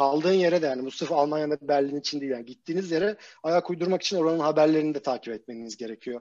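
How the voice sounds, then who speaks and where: Against a quiet background, the speech runs at a fairly quick pace. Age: 30s. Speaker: software developer. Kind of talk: interview.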